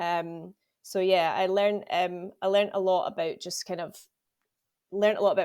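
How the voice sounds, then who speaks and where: Recorded very cleanly against a silent background, a woman speaks at medium pitch in a strong Scottish accent. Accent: broad Scottish. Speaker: conservation educator. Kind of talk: casual interview chat.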